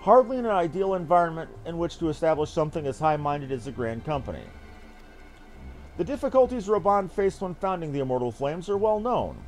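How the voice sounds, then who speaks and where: A man's voice: on the high side, sing-song, brisk, a little mellow. A man voicing a dutiful military captain who reports in formal, archaic words. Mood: earnest, explaining. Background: game music.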